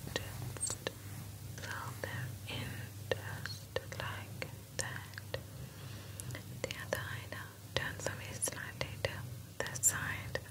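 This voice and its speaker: A woman talks at a very slow pace, with long, frequent pauses. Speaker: ASMR artist. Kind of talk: ASMR personal attention role play. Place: home room.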